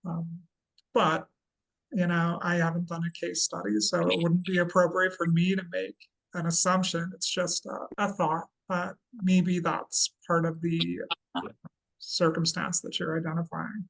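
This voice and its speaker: Thoughtful trans woman, gravelly deep voice. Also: little pitch movement, poor audio. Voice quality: relatively deep voice. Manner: thoughtful, measured, careful wording. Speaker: interviewer.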